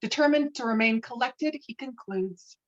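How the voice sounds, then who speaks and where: A woman's voice: fairly high pitch, moderate pace. Woman narrating a script, slightly dull recording. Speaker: narrator reading stage directions.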